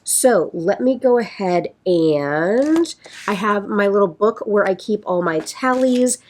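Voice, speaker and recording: A woman talks casually to her viewers in a raspy, congested voice, hoarse from a sinus infection. She chats in a friendly, rambling way, often circling back and restarting her sentences. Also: mid-range voice, expressive, slow pace, a little mellow, slight background noise. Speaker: beauty vlogger. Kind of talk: casual chat.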